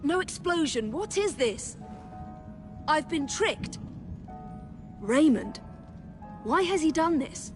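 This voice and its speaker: A determined heroine. Her voice sits high and she speaks slowly and clipped. Loud music plays behind her. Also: lively intonation. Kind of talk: video game cutscene dialogue.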